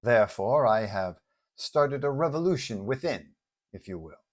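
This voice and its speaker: Villainess, voiced by a man: quiet, measured, formal revolutionary mastermind for a superhero story, calculating and composed. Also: medium pitch, lively intonation, natural voice. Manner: measured, formal, soft-spoken.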